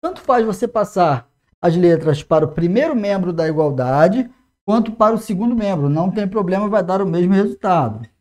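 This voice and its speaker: A man in his forties with a Brazilian Portuguese accent, teaching math at a whiteboard. He talks energetically to the viewer and slows down to spell out each step as he writes. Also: high-pitched, expressive, darkish tone. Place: classroom in front of a whiteboard. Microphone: lapel mic.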